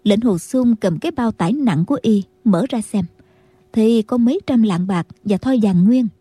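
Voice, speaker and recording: A woman reading a martial-arts audiobook in a very dark, mellow voice with a husky edge. Her pitch sits a bit high for her, and the sound is dry and close. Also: moderate pace, no room sound. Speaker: audiobook narrator. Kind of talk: scripted martial-arts novel narration.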